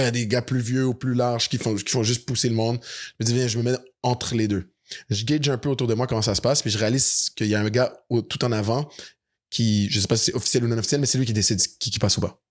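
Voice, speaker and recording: Quebec french guy, talks fast, animated, podcast storytelling. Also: medium pitch. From Canada. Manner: animated, acts out quoted lines. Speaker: podcast co-host. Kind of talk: casual storytelling chat.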